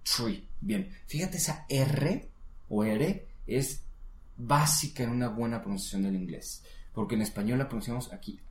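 A man giving a casual one-on-one English lesson, patiently coaching and modelling words slowly. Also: medium pitch, darkish tone, echoey room. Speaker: English teacher.

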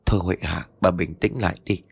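A man voicing a level-headed middle-aged mother who doesn't believe in ghosts, talking in a brisk, matter-of-fact way. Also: low-pitched, fairly even intonation, creaky, breathy edge, faint music behind, pitched below the performer's own voice, exaggerated voice. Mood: soothing.

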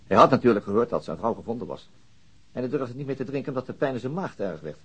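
This is naturalistic radio drama acting: a man portrays a methodical, slightly tired police detective who hesitates while thinking aloud, in an explaining, pondering mood. He talks fast in an animated, medium-pitched voice with a breathy edge, and the recording sounds muffled.

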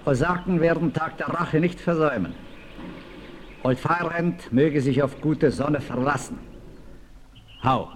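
A man's voice: fairly high pitch, measured pace, long pauses, a crowd in the background, close to an everyday voice. A man playing a proud Native American chief in a 1960s German radio play, speaking solemnly in clipped broken German. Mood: solemn, vengeful. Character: proud, terse male Osage chief. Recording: noisy old vinyl rip.

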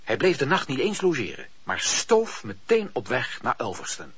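A man narrating a historical radio drama in a measured, wry, literary storytelling manner. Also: medium pitch, wildly swooping pitch, a bit bright, slightly rough, dry recording, heavily acted. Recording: muffled lo-fi radio drama recording.

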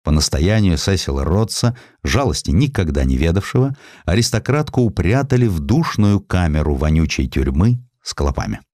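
A man with a deep voice narrates a historical essay as scripted storytelling. His delivery is theatrical and expressive, with a wide, swooping range of pitch. The recording is dry and close, free of room sound. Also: moderate pace, no echo. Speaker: audiobook narrator.

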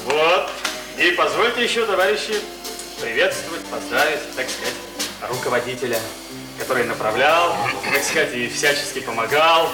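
Brief: male actor as pompous, slightly high-voiced toastmaster, halting speeches, radio drama, music behind. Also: animated, natural voice. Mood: pompous, festive. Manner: halting, speechifying, padded with filler phrases. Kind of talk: Soviet radio play acting, banquet toast. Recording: echoey, distant mic, music behind.

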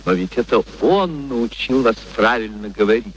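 An actor playing a kindly, mild gentleman colonel in a radio play, polite and soothing. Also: medium pitch, expressive, normal speed, natural voice, rough recording. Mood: gently protesting. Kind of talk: theatrical radio play acting and narration. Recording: faint background noise, archive radio recording.

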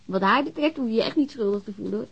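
An actress playing a cheerful, teasing grown daughter in a radio drama, breezy and informal. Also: female voice, a little high, expressive, rapid-fire, gravelly, husky, highs cut off, heavily acted. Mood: breezy, chatty. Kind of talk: naturalistic radio drama acting.

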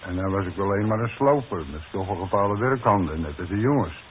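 Actor as a low-voiced gruff Dutch foreman, hissy radio. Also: expressive, a little fast, natural voice. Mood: defiant, dry. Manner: dry, sardonic, blunt. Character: gruff, wry working-class demolition foreman, stubbornly frank with his boss. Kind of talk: 1960s Dutch radio drama acting. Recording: muffled, hissy old radio broadcast recording.

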